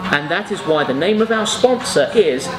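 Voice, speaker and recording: A man co-hosting a vlog, reading a sponsor message in a deliberate way. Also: high voice, expressive. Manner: deliberate, spells things out. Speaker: co-host. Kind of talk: sponsor read in casual chat. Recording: roomy, loud music behind.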